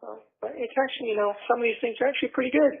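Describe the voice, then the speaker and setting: A man chatting casually and haltingly over a prison phone line. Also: very high voice, steady tone, gravelly, slightly rough. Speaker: jail inmate on a phone call. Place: jail phone in a pod. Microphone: telephone handset.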